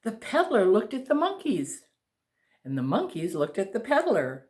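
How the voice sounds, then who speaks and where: A woman who is a teacher reading a picture book aloud to young children in an expressive, deliberate storytelling way. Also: medium pitch.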